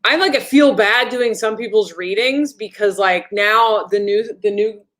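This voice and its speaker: A woman's voice: mid-range voice, unhurried, fairly bright tone. Blunt, profane woman on a livestream. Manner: reads viewer comments aloud. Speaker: spiritual channeler giving an energy update. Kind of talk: casual livestream chat.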